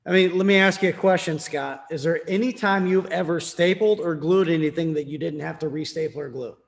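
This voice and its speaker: A man's voice: on the high side, a little fast, creaky. A man leading a sales training session, quizzing his listeners and tagging points with "right?". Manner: quizzing the room with frequent "right?".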